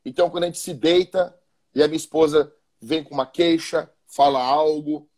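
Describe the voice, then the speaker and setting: A man's voice: a little high, fairly even intonation, normal speed, a little mellow. A male pastor, talking casually and animatedly, often repeating and restarting his words. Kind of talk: casual podcast talk about marriage.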